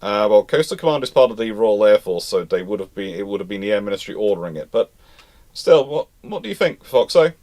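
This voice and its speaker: A man's voice: fairly low pitch, big pitch swings, brisk, a little mellow. A man hosting a live question-and-answer talk on history, speaking in an explanatory way. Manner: explanatory, reads questions aloud then answers.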